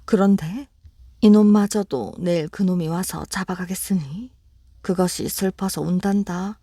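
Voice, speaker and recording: A woman's voice: fairly low pitch, measured pace, mellow, breathy edge, dry recording, clean studio sound. A woman voicing a mother magpie in a bedtime storybook reading. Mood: sorrowful. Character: frightened grieving mother magpie.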